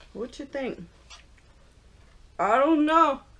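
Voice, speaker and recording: A woman at a moderate pace. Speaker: mukbang vlogger. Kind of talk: casual chat. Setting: at home. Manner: loud.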